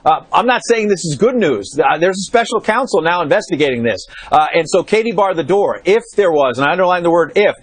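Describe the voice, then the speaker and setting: A man reporting from the White House on a cable news panel, explaining in a measured way with frequent fillers. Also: sits high, animated, no room sound. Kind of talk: live news panel analysis. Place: studio or remote link from Washington.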